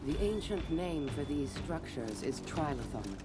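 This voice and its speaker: A man playing a reflective medieval knight, narrating game lore in a measured storytelling manner. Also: a little high, very animated, very noisy. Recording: loud game music underneath. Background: loud music.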